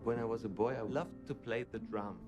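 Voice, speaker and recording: A man, a clown performer, talking slowly and earnestly about his craft in a documentary interview. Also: medium pitch, fairly even intonation. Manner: slow, reflective, earnest. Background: soft background music.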